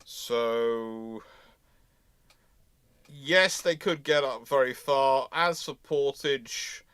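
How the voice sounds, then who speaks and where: A man's voice: mid-range voice, very slow, a bit bright, smooth, no echo. A man hosting an unscripted live history question-and-answer session, talking discursively and correcting himself as he thinks aloud. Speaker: naval history host answering audience questions.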